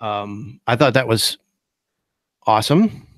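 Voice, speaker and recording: A man's voice: fairly low pitch, slow pace, no echo. A man as guest host of a podcast, gushing with enthusiastic fan praise in casual chat.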